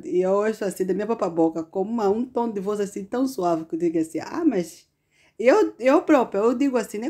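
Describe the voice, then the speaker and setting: Earnest woman preaching in with a mellow voice. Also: medium pitch. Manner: conversational, earnest, addresses listeners as "amado". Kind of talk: informal sermon testimony.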